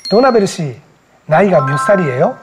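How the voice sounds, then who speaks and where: Male student, forties, deliberate learner delivery, music bed behind. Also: sits high, big pitch swings. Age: 40s. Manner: careful, deliberate learner speech. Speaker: language student. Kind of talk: classroom practice.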